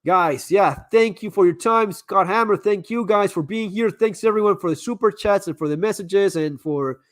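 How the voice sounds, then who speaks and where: High-voiced man, halting repeats. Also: no echo, clean studio sound. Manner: frequent stammered repeats and restarts; candid, advice-giving. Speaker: live stream host answering viewer messages. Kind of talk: casual live-stream chat.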